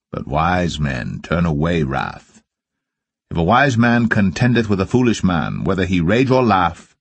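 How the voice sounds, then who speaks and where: Deep-voiced man solemnly reading scripture. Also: slightly rough, dry recording. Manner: measured, deliberate phrasing. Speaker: scripture reader. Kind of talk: solemn scripted Bible reading of archaic King James verse.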